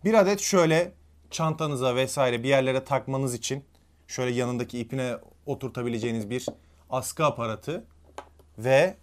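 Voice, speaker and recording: A man co-hosting a casual tech unboxing, calmly reading out the product's specs and listing what is in the box. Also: mid-range voice, moderate pace. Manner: relaxed, reads out specs from the box.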